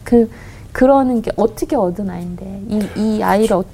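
A woman guest on a radio interview, earnestly recounting a personal story with halting restarts and quoted voices. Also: medium pitch, warm tone, a little hiss or hum, poor audio. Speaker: guest, company head.

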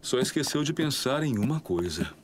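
An actor with a Brazilian accent playing a courteous, smooth-talking detective who is secretly a cold killer, in an audio drama. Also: male voice, medium pitch, big pitch swings, moderate pace, noisy background, close to an everyday voice. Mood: coolly menacing. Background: music.

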